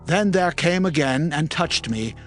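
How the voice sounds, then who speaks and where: A man's voice: a little high, animated, a little slow. A man playing an awestruck, humble Hebrew prophet who recounts his vision earnestly and reverently in a dramatized scripture reading. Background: music.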